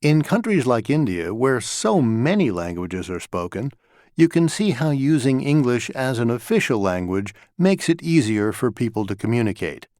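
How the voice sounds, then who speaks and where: A man acting as a lecturer, giving a scripted class talk in a clear, measured way, recorded in a studio. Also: mid-range voice, sing-song, a little mellow, no room sound, close to an everyday voice. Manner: measured, clear explanatory delivery. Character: male lecturer talking to a class.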